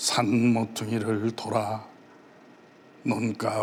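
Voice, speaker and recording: A man delivers his words very slowly in a fairly low pitch. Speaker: actor and former voice actor. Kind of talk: poetry reading.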